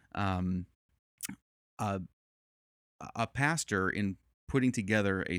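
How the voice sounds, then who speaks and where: A man with an American accent and a fairly low pitch is heard in a dry, close sound with no echo. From Chicago area, US Midwest. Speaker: church music director. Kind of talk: casual chat. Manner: halting.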